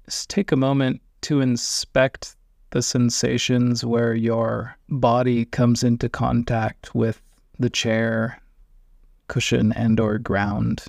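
Slow, even-toned male meditation guide with creaky voice. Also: medium pitch, no echo, clean studio sound. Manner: calm, measured, sparse phrases with long pauses.

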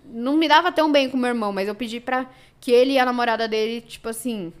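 A woman's voice: a little high, fast talker, clear, resonant tone. Emotional Brazilian woman telling a story. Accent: Brazilian Portuguese. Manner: emotional, animated storytelling with many fillers. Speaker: podcast guest. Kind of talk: casual storytelling chat.

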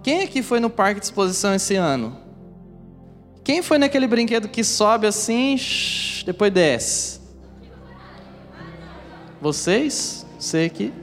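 A man's voice: high-pitched, measured pace, long pauses. A man preaches to his congregation, acting out scenes from his own story. His voice rings with a long reverb through a church hall, while music plays faintly underneath. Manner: animated, acts out scenes and voices; talks directly to the congregation. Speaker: pastor. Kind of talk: sermon with storytelling.

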